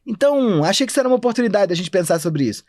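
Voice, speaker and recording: A Brazilian man, an anthropologist, talking fast and animated in a casual podcast interview. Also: sits high, no echo, studio quality. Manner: animated, talks fast and thinks aloud. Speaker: anthropologist guest.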